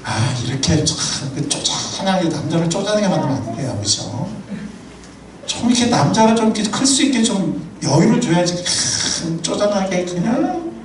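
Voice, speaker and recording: A male pastor preaching a sermon in a church, animated and humorous, telling personal anecdotes. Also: high-pitched, moderate pace, a crowd in the background. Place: church sanctuary. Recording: echoey hall from far off.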